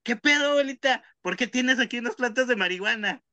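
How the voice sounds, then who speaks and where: A man's voice: extremely high pitch, expressive, slow pace, creaky, bright, forceful tone, pitched above the performer's own voice, heavily acted. A man doing a blunt, slangy young Mexican woman. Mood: surprised.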